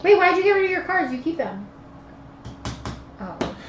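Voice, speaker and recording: A woman's voice: extremely high pitch, big pitch swings, moderate pace. A woman chatting casually as a player in a tabletop game, often asking questions. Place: room, live stream of a group game. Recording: roomy, dull, lo-fi with faint noise.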